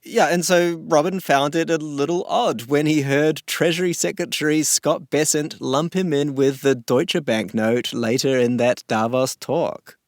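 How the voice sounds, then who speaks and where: A man's voice: on the high side, steady tone, a little slow, few pauses, no room sound. Curious male podcast host, dry sound. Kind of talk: conversational explainer.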